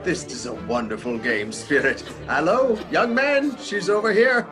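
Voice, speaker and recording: A man's voice: on the high side, measured pace, fairly bright tone, soft background music. A man playing an eager, fearful old miser in a theatrical audio drama. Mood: delighted. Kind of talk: theatrical radio drama acting.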